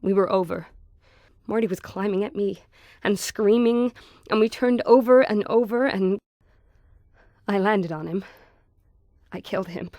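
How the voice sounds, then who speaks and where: A woman's voice: medium pitch, measured pace, pauses often, warm tone, no echo, studio quality, natural voice. Shaken, intense woman played by an actress. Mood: distraught. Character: shaken woman recounting a deadly fall. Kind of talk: dramatic monologue.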